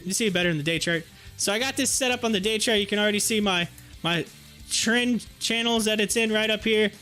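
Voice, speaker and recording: Guy with a really high bright voice chatting casually to his livestream viewers, music in the back. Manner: chatty, informal, addresses viewers directly. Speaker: livestream host. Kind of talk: casual live stock-chart commentary.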